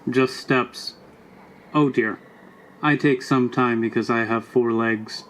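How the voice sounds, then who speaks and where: A man's voice: medium pitch, steady tone, takes it slowly, fairly bright tone, a little hiss or hum, low-quality recording. A man playing a polite, earnest four-legged robot bodyguard in a tabletop game, speaking in formal, precise phrases. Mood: earnest, patient. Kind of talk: tabletop roleplay.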